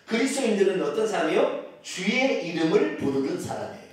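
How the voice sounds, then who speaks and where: A male pastor preaching an animated sermon, calling out loudly and leading the congregation to repeat after him. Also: high-pitched, a little fast. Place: church sanctuary. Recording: echoey church hall from far off.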